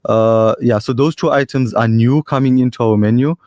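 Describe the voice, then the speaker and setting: A man answers radio interview questions in a steady, measured voice, often stopping and restarting his sentences. His pitch sits mid-range. The studio sound is dry and close to the mic. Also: dry recording. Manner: measured, frequent restarts, modest. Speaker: guest, restaurant owner.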